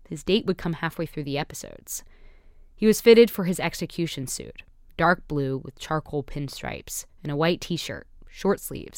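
A woman reporter giving measured, scripted narration for a radio feature. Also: low-pitched, dry recording, studio quality.

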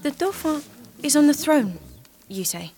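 An actress playing a humble, devout young peasant maiden who speaks earnestly and softly in a radio drama. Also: female voice, high voice, very animated, unhurried, full character voice. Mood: timid. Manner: earnest, gentle, soft-spoken.

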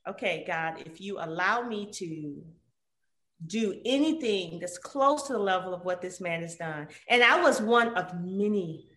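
Detroit-born woman guest, lively storyteller, roomy echo on the voice. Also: fairly low pitch, measured pace. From Detroit, USA. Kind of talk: casual conversational interview.

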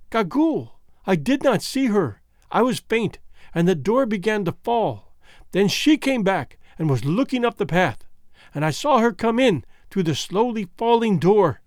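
A man voicing a gentle, devoted young woman who is dying, speaking softly and tenderly. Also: high voice, big pitch swings, measured pace, no echo, studio quality. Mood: tender, fading. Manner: soft, fading, tender.

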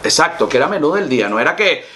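A man hosting a podcast in casual chat, telling stories in a joking, lively way. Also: on the high side, rapid-fire, a crowd in the background. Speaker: podcast host.

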